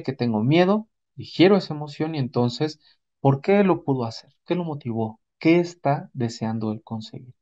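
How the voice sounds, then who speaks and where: A man with a Mexican accent speaks as a psychotherapist explaining things step by step. His voice is relaxed and warm at an average male pitch. He teaches through rhetorical questions and examples, and the sound is a little dull. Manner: didactic, checks in with rhetorical questions. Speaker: psychotherapist giving a parenting talk. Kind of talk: explanatory talk with acted examples.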